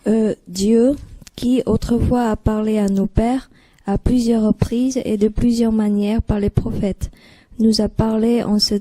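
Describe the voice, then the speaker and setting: A woman with a foreign accent reads a scripture passage aloud with care. Her voice is fairly high yet very dark and mellow in tone, and it sounds close and dry. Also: level tone, measured pace, no room sound, poor audio. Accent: non-native French. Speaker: congregant reading scripture. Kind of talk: reading aloud.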